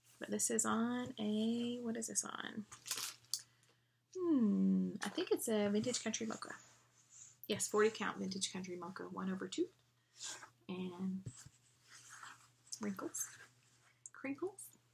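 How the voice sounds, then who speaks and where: A soft-spoken woman leaves long, frequent pauses as she goes along at a fairly slow pace. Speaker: cross-stitch vlogger. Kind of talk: casual chat. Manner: halting.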